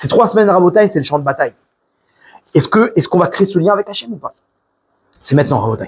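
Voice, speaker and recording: Very fast delivery broken by long, frequent pauses, animated in tone, with lively intonation and big swings in loudness. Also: man, high pitch for a man. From France. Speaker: Torah teacher. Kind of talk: religious lecture. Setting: class with audience. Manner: animated storytelling.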